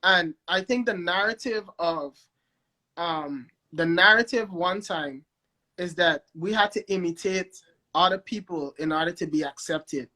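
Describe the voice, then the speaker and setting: A man with a Guyanese accent speaks with a high, bright voice. He talks in an animated way, doubling back on words as he builds up to each point, in a relaxed interview chat. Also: a little slow. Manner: animated, repeats himself, enthusiastic. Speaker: guest, record label founder. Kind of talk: casual interview over a live stream.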